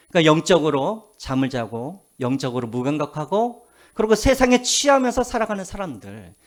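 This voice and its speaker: A male pastor preaching a Sunday sermon who keeps asking the congregation questions and answering them himself, slowing down to read scripture aloud. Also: mid-range voice. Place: church sanctuary.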